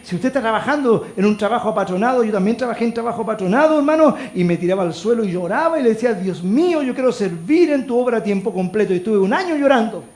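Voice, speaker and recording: Chilean pastor guy preaching, swings loud to quiet, kinda high voice, echoey church. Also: animated, fast talker, few pauses. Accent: Chilean Spanish. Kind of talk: sermon.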